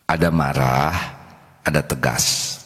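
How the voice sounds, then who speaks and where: A man's voice: rumbling low, fairly even intonation, slow, fairly bright tone. A male preacher giving a humorous religious lecture, often acting out scolding voices in quotes. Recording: echoey hall.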